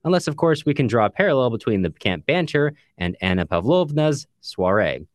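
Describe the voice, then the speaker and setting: A man's voice: mid-range voice, big pitch swings, fairly quick, no room sound, clean studio sound. A man co-hosting a book discussion podcast in a casual, chatty way, sometimes reading out listener comments. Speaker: podcast co-host.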